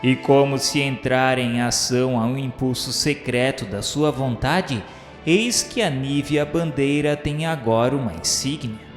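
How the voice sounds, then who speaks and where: A man's voice: mid-range voice, unhurried. A man narrating a scripted religious radio drama in a solemn, reverent, declamatory literary style. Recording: echoey hall-like reverb with music. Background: music.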